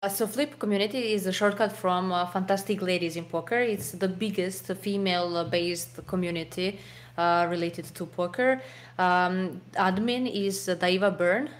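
Young woman, serbian accent, lowish voice, lots of uhs and restarts, webcam call. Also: slight background noise. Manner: halting, many fillers and restarts. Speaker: poker pro guest. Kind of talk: casual interview answers. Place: home room, video call. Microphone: desk mic, webcam framing.

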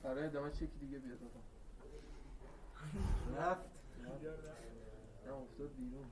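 A man's voice: mid-range voice, steady tone, over a noisy crowd. Guy muttering side comments in class, far from mic, lots of people noise. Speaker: student.

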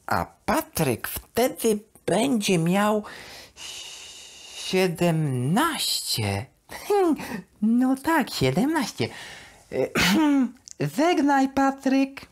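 A woman plays a proud little boy of six in a children's audio story. The voice is high and childlike, halting and slow as he thinks things through. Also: very animated, full character voice. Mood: earnest, hesitant. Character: earnest six-year-old boy, proud and hesitant.

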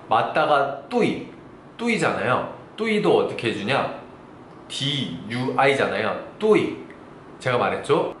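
A young man from South Korea teaching a Chinese lesson, patiently explaining and drawing out sample syllables slowly and loudly. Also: medium pitch, reverberant, a little hiss or hum. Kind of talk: online language lesson.

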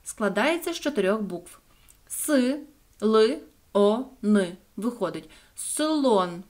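A woman's voice: a little high, animated, slow pace, darkish tone. A woman voicing a strict middle-aged man who patiently teaches his dog letters in a storybook reading. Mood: instructive. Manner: firm, instructive, spelling out letters.

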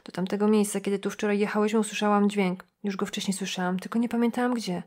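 A woman's voice: mid-range voice, level tone, fast talker, darkish tone, close to an everyday voice. Woman reading as a sulky young woman.

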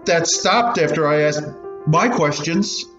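A man's voice: fairly high pitch, takes it slowly, fairly bright tone. A man acting in a radio play as an elderly Jewish survivor, reflective, challenging and pained. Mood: reflective, troubled. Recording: dull, roomy recording with music.

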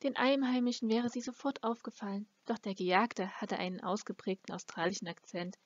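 A woman's voice: mid-range voice, steady tone, fairly quick, no room sound. A woman reading a fantasy novel aloud as an amateur audiobook narrator. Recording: dull, lo-fi close recording.

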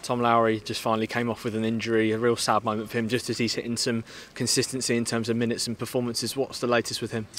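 A man asks brisk, neutral post-match questions in a rapid, flat delivery. He speaks from off camera outdoors at night, with faint stadium noise behind him. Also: mid-range voice. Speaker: club media interviewer. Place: outdoors on a floodlit football pitch at night.

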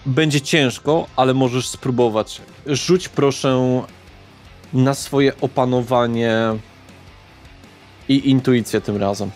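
A man narrating a tabletop horror roleplaying game as game master, in a deliberate manner with dramatic pauses. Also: medium pitch, a little mellow. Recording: background guitar music.

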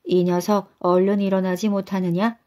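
A woman's voice: medium pitch, flat delivery, normal speed, natural voice. Woman doing nasal grumpy old man. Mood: angry shouting. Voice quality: nasal, sniffing "킁". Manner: scolding, shouting.

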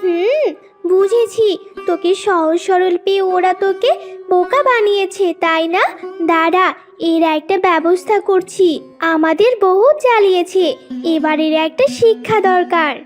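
A little female cartoon bird, extremely high-pitched and shrewd. She wheedles and scolds over faint children's music. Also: a little slow. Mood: indignant. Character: small female bird, shrewd, indignant trickster.

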